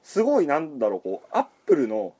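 A man from Aichi co-hosting a casual podcast, answering quickly and with a laugh. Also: on the high side, wildly swooping pitch, dark tone, slightly rough. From Aichi, Japan. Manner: quick, laughing, teasing retorts. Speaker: podcast co-host, manga artist. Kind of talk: casual chat.

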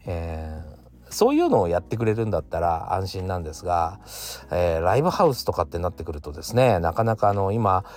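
A man's voice: deep voice, very animated, fairly quick, darkish tone. A man from the area, hosting a casual solo talk podcast, chatty, full of fillers and little chuckles. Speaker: podcast host.

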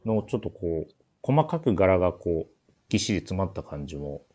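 A man hosting a menswear shop radio show, talking casually and politely about clothes, often pausing to think aloud. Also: deep voice, sing-song, dark tone. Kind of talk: casual radio-style talk introducing clothes.

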